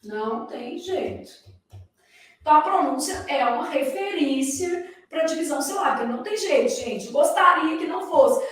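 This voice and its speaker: A woman with a Brazilian Portuguese accent gives a recorded grammar lecture to exam candidates, speaking at a normal speed in a high voice with lively intonation. Her teaching is didactic, and she keeps posing rhetorical questions to the class. The room is echoey and she sits far from the microphone.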